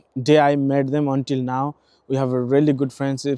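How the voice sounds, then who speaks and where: The man's dark, mellow voice holds a medium pitch and flat, monotone intonation at a fairly quick pace. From Nepal. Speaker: immigrant factory worker vlogger. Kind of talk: casual vlog monologue. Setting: outdoors. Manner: hesitant, many fillers.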